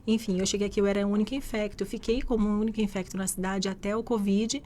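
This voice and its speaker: A woman speaks at a mid pitch as a physician guest on a radio show. She explains things steadily and conversationally, in a radio studio. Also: steady tone, fast talker, dark tone, a little hiss or hum. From Rio de Janeiro, Brazil. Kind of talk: radio interview answers.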